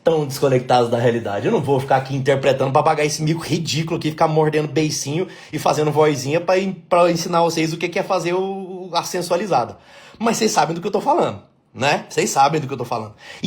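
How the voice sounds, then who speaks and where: Brazilian man, middle-aged therapist, blunt and emphatic, slightly high voice, lecturing to camera. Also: a little mellow. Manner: blunt, emphatic, repeats key phrases, asks "tá entendendo?". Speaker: couples therapist. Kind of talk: talking-head lesson.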